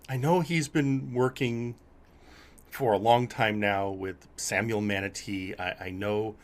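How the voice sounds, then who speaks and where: A man hosting and commentating on a wrestling show, speaking haltingly and often repeating his words. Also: mid-range voice, a bit bright. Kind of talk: live sports-entertainment commentary.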